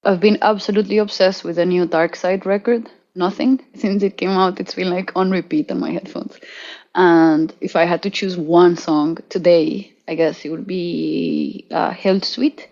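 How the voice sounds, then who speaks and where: A woman's voice: on the low side, steady tone, moderate pace, vocal fry, a little mellow, dull audio. A woman from Colombia, a musician and native Spanish speaker, chatting casually in an interview and laughing easily. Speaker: musician guest.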